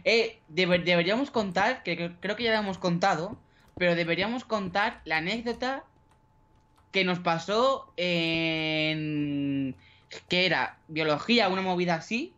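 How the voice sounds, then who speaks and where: A man's voice: high-pitched, a little slow, a bit bright, highs cut off. Teasing young man. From Spain. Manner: teasing, joking, slangy. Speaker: gaming YouTuber. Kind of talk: casual gaming commentary.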